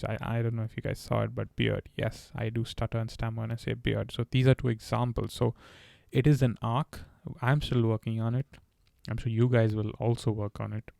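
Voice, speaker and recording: Gravelly, flat-voiced man giving earnest advice. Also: medium pitch, dry recording, clean studio sound. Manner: earnest, advice-giving, occasional stammers and restarts. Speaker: podcast host. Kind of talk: candid solo podcast talk.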